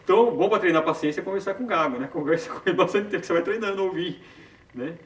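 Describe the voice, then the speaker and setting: A man's voice: high-pitched, racing. Male Bible study leader, chatty teaching tone, distant mic in a roomy space. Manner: conversational, frequent tag questions, self-corrections. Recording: far from the mic in an echoey room with faint background noise.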